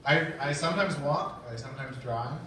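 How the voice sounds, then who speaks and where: A man's voice: medium pitch, moderate pace, a crowd in the background. A man, a voice actor, answering fan questions on a convention panel in a jokey, self-deprecating way. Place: large convention hall. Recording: echoey hall, camera far from stage.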